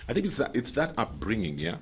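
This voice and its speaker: A man with a Kenyan accent hosting a talk show, telling stories and asking questions in a lively way. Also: medium pitch, quick pace, breathy edge. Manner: animated storyteller who poses questions. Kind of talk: casual talk-show discussion.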